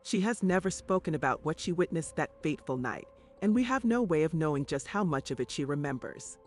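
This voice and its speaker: A male documentary narrator with a voice pitched a little high for a man. He reads scripted true crime narration over a light music bed. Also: expressive, brisk.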